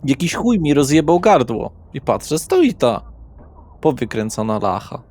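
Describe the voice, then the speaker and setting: A man's voice: mid-range voice, sing-song, unhurried, a little mellow. A man voicing a cocky, mouthy rich young slacker with a brash, taunting, sweary street manner. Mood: insolent. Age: young adult figure.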